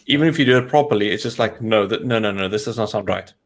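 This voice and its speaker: Gravelly-voiced man. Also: fairly low pitch, quick pace. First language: Afrikaans. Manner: relaxed, easygoing, lots of short agreeing sounds. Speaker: co-host of a tech stream. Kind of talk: casual tech chat.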